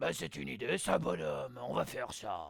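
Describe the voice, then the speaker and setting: This man puts on a character voice that is very deep and raspy. He talks at a moderate pace. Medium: read story. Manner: booming, gruff.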